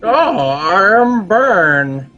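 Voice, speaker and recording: A man putting on a slow old man's villain voice, muffled as if spoken into a cup. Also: sits high, big pitch swings, a crowd in the background, pitched above the performer's own voice, heavily acted. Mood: mock-menacing.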